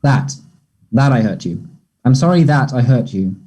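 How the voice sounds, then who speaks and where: A man playing an awkward, earnest young gay man who is apologetic and unsure, speaking haltingly in a play table read. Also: medium pitch, lively intonation, warm tone, slightly rough. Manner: hesitant, halting.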